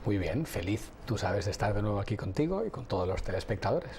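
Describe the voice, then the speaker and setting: Catalan-born man, calm and explanatory. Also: lowish voice, a little hiss or hum. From Catalonia, Spain. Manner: measured, explanatory, with hesitant restarts. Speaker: audiologist guest. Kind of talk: TV interview.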